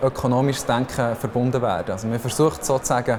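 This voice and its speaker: There is noticeable background noise behind a man's voice. He speaks at a fairly quick pace in a medium pitch. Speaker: president of an effective altruism foundation. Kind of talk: interview answer.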